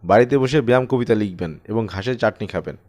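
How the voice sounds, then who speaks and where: A man's voice: lowish voice, fast talker, darkish tone, close to an everyday voice. Man acting a stern, exasperated school headmaster. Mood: stern dismissal. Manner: cold, curt, scolding.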